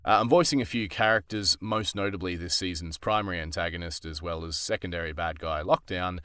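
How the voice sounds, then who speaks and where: A man's voice: deep voice, steady tone, a little fast, pushed and bright, clear, resonant tone, dry recording. A man giving an informal, casual update to viewers as a voice actor and host.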